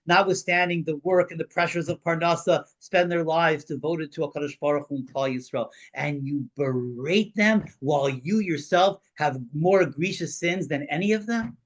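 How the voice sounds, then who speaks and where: A man's voice: a little high, close to an everyday voice. A man voicing a shrewd, stern male Hasidic rabbi who speaks pointedly and builds to an outraged rebuke. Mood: indignant.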